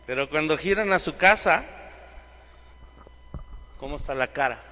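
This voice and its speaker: A man's voice: fairly high pitch, unhurried, in a large hall. A man with a Mexican accent teaching a Bible class to a live audience, often quizzing them directly. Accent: Mexican Spanish. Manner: questions the audience directly, lively. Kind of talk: sermon-style Bible teaching.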